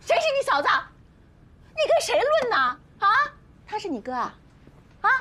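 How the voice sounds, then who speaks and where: An actress playing a jealous young wife who scolds with sarcastic, rapid questions. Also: female voice, extremely high pitch, huge pitch swings, full character voice. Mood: accusing. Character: sharp-tongued jealous wife, young adult. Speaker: wife confronting her husband's houseguest. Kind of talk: TV drama acting. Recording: TV drama with loud score.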